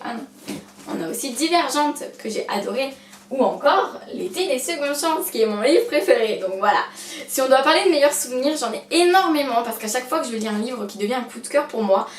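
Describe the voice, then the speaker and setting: A young woman chatting to camera about her bookshelf, hesitant and self-mocking, full of fillers. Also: a little high. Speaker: book vlogger. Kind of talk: casual chat to camera. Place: room at home beside her bookshelf. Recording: roomy echo, distant mic, faint hiss.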